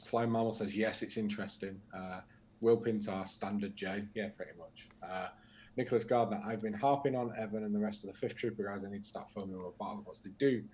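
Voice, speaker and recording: A man chats easily on a livestream and reads viewer comments aloud, adding his own asides. His voice sits on the low side. A faint hiss of room noise runs underneath. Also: fairly even intonation, fast, a little mellow, poor audio. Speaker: co-host reading viewer comments. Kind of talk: casual livestream chat.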